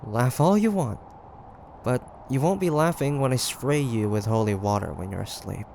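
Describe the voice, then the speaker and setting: A man playing a grumpy, flustered demon hunter who secretly cares, speaking in a halting, defensive way in a roleplay audio drama. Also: medium pitch, animated, vocal fry, a little mellow, a little hiss or hum. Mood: teasing, indignant.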